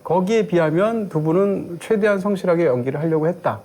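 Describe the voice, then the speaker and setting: A man's voice: high voice, fairly quick, mellow. A middle-aged man, a film critic co-hosting a review show, explaining his points in long, fluent, lecturing arguments. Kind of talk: analytical film review discussion.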